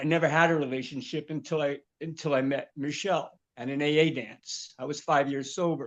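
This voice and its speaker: The man's intonation stays fairly even at a fairly quick pace. The background is quiet. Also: fairly high pitch for a man. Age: 60s. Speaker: participant on spiritual group call. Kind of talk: personal testimony. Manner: halting, many fillers and restarts.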